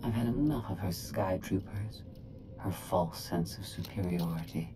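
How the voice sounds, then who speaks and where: A woman's voice: a bass voice, normal speed. A woman voicing a cold, calculating female AI droid who speaks in a precise, condescending way. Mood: dry, superior. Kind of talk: video game voice acting. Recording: music bed under the dialogue.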